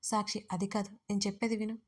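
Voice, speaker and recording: A woman narrator voicing a calm young man who patiently reasons with his fiancée in an audio story. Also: medium pitch, fast, lightly acted. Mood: pleading. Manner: soothing, persuasive.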